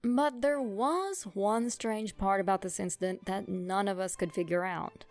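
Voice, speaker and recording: A young woman narrating a comic childhood story in a wry, self-mocking, expressive way. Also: mid-range voice, unhurried, no echo, soft background music.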